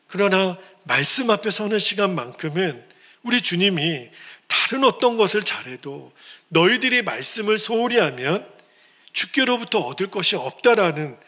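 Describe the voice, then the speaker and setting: A man's voice: high-pitched, big pitch swings, normal speed, bright, forceful tone. A male pastor preaching a sermon in an earnest, pleading manner, now and then acting out the people he quotes.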